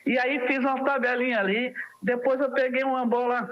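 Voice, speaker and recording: A man's voice: very high-pitched, fairly quick, dull audio. A man in his sixties with a Northeastern Brazilian accent, a former footballer telling stories as a guest and acting out the dialogue. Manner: animated storyteller who acts out quoted dialogue. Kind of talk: casual storytelling interview.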